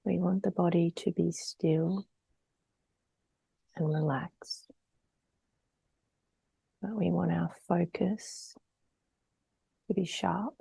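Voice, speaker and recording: A woman guides a meditation in a lowish, very husky voice, gentle and slow to move on. Her phrases are soft and breathy, often sinking almost to a whisper. The sound is close and dry, with long pauses between instructions. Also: fairly even intonation, no echo, poor audio.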